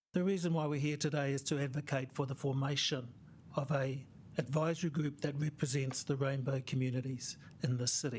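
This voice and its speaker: Fairly high for a man, this voice is somewhat breathy, moving at a fairly quick pace with fairly even intonation and very even loudness. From New Zealand, Māori. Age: 60s. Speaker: community advocate. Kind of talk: public submission speech. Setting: council chamber meeting.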